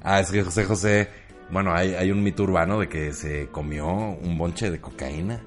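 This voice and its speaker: A man's voice: low voice, moderate pace, soft background music. A man with a Mexican accent co-hosting a comedy podcast, joking, laughing often and slipping into impressions. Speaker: podcast co-host. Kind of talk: casual comedy chat.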